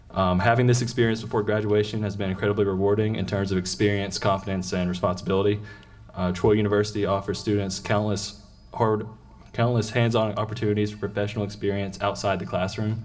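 Over faint music in the background, a man with a fairly low pitch talks at a very fast pace with monotone, flat intonation. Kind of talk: welcome speech. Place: hall. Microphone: podium.

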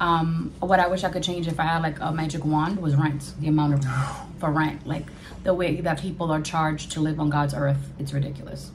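A woman talks at a moderate pace in a very deep, low pitch with monotone, flat intonation. Noticeable background noise sits behind her. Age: 30s. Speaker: host's childhood friend. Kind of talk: casual chat.

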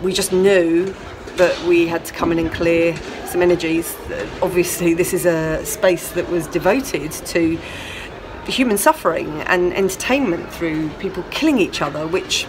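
There is noticeable background noise behind this woman. Her pitch is fairly low, with ordinary variation. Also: moderate pace. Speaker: spiritual vlogger. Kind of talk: casual vlog chat. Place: stadium. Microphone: phone near.

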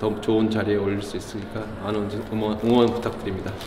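A man's fairly low voice, flat and monotone, over noticeable background noise. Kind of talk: interview answer. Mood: emotional, grateful farewell. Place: hall.

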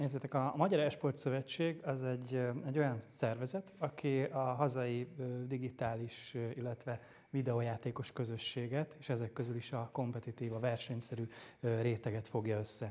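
A man's medium-pitched, unremarkable speaking voice at a moderate pace, with fairly even intonation. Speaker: esports federation official. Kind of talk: panel discussion. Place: studio. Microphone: lapel.

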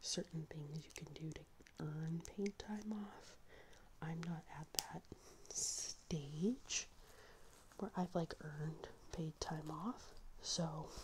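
A soft-spoken voice is whispering at a very slow pace. Long, frequent pauses sit over noticeable background noise. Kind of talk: casual vlog chat. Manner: whispered or soft-spoken ASMR rambling. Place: home room. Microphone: phone near.

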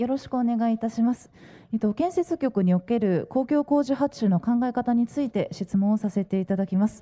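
Over a quiet background, a woman with a fairly high pitch and a dark, mellow tone speaks at a fairly quick pace. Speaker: city council member. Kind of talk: committee questioning. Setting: council committee room. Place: meeting room. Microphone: handheld.

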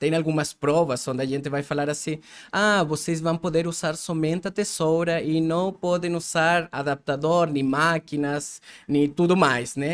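A man with a Chilean accent speaks at a fairly slow pace and fairly high pitch with fairly even intonation, over a quiet background. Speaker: pet groomer and reality show creator; reality show creator. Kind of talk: interview. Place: studio. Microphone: studio mic.

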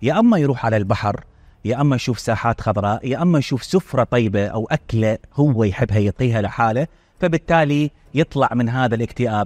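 This man has a plain, everyday voice, speaking at a moderate pace and medium pitch with ordinary pitch variation, recorded with a dry, close sound, no echo and a quiet background. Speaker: TV host. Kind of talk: interview.

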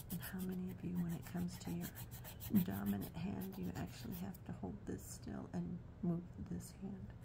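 A soft-spoken woman with a very deep, low voice talks at a moderate pace, her pitch swinging very widely. Noticeable background noise runs underneath. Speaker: ASMR creator. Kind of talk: ASMR nail filing video.

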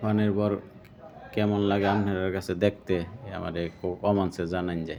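A man speaks in a Mymensingh accent at a fairly low pitch. His intonation is monotone and flat, with noticeable background noise. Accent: Mymensingh regional dialect. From Bangladesh, Mymensingh region. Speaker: village vlogger. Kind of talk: walking tour vlog narration. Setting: outdoors in village fields.

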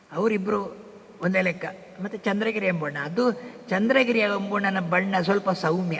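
Amid noticeable background noise, a man with a coastal Karnataka accent speaks at a high pitch with fairly even intonation. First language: Tulu (speaking Kannada). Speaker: veteran yakshagana performer. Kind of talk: reminiscing interview.

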